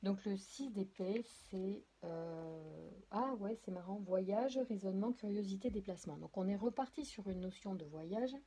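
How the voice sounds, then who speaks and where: A woman's voice: mid-range voice, normal speed, few pauses, dark tone, slight background noise. Hesitant woman reading tarot cards. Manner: hesitant, many fillers and restarts, apologetic; addresses viewers directly. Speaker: tarot and oracle card reader. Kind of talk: casual spoken card reading.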